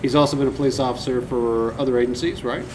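A man's voice: mid-range voice, steady tone, fast talker. Sex: man. Role: host. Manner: chatty, joking. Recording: noisy room. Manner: chatty, joking, rambling restarts. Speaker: show host. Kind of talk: casual interview intro. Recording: noisy room with background hum.

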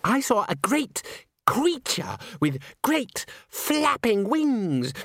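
A man voicing a melodramatic, excitable young woman in a comic storybook. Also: extremely high pitch, takes it slowly, no echo, studio quality, voice pushed up, exaggerated voice. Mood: awed, dramatic.

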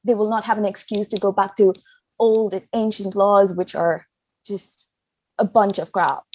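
A woman's voice: medium pitch, fairly even intonation, moderate pace, a little mellow, slightly rough. A young woman studying law, talking in casual chat, blunt and passionate and cursing freely. English is not her mother tongue. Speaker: law student.

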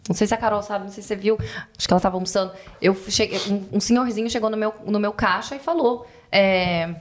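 A Brazilian woman with a Brazilian Portuguese accent, a podcast guest telling animated, profane stories and acting out quotes. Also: mid-range voice, fast talker. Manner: animated, profane storyteller who acts out quotes. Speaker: podcast guest, bank teller. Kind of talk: casual podcast chat.

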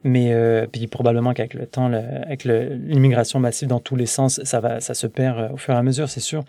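A man's voice: medium pitch, little pitch movement, fairly quick, vocal fry, warm tone, no room sound. A man in his thirties with a Québécois French accent, chatting as a guest and rambling with many restarts and fillers. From born in France, raised in Quebec. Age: 30s. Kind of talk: casual conversation.

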